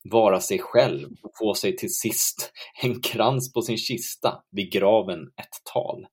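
Man reading boastful Peer Gynt monologue, measured verse reading, slightly husky. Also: lowish voice. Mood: musing. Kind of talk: reading verse drama aloud.

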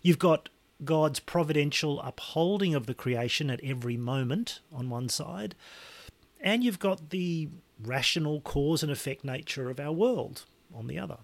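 A man hosting a podcast, talking with a hoarse, raspy voice in a wry, conversational way. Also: fairly high pitch, animated, moderate pace. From Australia. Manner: wry, conversational, with throat clearing. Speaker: podcast host. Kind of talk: scripted solo podcast talk.

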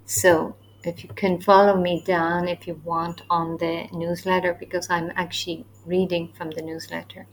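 A woman's voice: on the low side, little pitch movement, moderate pace, few pauses, slight background noise, rough recording. A woman hosting a Christian teaching podcast, speaking earnestly and with emphasis. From grew up Catholic in a largely Catholic country. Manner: earnest and emphatic, acting out quoted voices.

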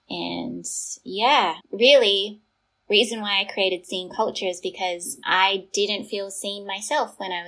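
With a fairly low, slightly bright voice, an Australian woman who founded a startup thoughtfully recounts her life as a podcast guest. She's candid and laughs lightly at times, though the audio quality is poor.

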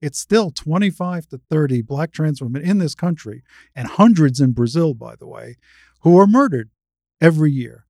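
A woman's voice: sits low, animated, moderate pace, dark tone, dry recording, clean studio sound. An American trans woman in her sixties speaking conversationally as an interview guest, telling anecdotes and giving opinions, often acting out quoted dialogue. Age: 60s.

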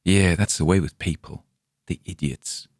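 A man voicing a gruff, blunt male friend who scolds plainly. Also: deep voice, steady tone, unhurried, a little mellow, no room sound, clean studio sound. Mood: scornful.

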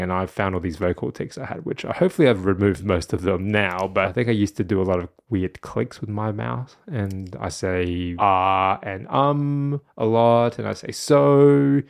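Male podcast host, low voice with gravel, relaxed explainer. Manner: relaxed, explanatory, self-deprecating. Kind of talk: casual podcast chat.

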